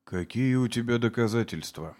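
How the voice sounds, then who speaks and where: A man doing a calm, pleading accused man. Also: fairly low pitch, a little slow, natural voice. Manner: calm, then pleading and tearful. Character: middle-aged man defending himself, pleading.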